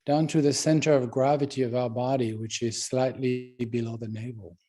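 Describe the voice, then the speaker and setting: A man leading a guided meditation as a teacher, speaking calmly and gently with unhurried pauses. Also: mid-range voice.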